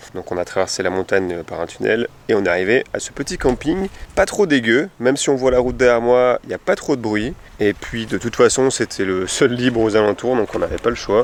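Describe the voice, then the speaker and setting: A man's medium-pitched voice shows ordinary pitch variation and moves at a fairly quick pace. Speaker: travel vlogger. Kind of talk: casual vlog narration. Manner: soft-spoken at start.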